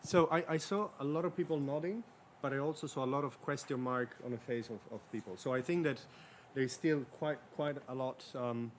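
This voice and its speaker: A man moderating a panel discussion, halting and repeating words as he looks for them. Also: medium pitch, slight background noise. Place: conference room at a panel event.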